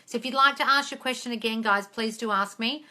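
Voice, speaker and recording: A woman in her forties chats casually on a livestream, close to her phone. Her voice is very bright and a little high. She answers questions informally, speaking straight to her listeners with pet names. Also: brisk. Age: 40s. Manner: chatty, informal, calls listeners darling and guys. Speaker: manifestation coach hosting a live Q&A.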